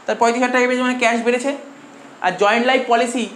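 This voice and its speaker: A man's voice: very high voice, flat delivery, very fast, fairly bright tone. A male commerce teacher with a Bengali accent, lecturing a class and constantly quizzing his students with repeated questions. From India. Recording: echoey room with faint noise.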